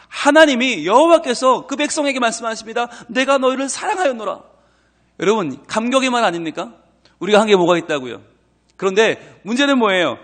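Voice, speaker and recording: A middle-aged man with a Busan Gyeongsang accent preaches an early-morning sermon in a fairly high voice. His pitch rises and falls widely as he throws rhetorical questions at the congregation. He slips into quarrelsome acted dialogue. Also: fairly bright tone. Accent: Busan Gyeongsang Korean. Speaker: pastor.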